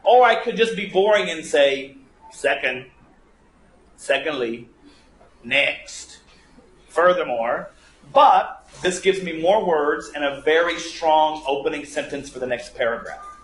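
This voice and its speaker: This man, leading a writing class live, muses out loud and teases his students with playful questions. He speaks slowly and expressively in a voice on the high side, recorded in an echoey space with slight background noise.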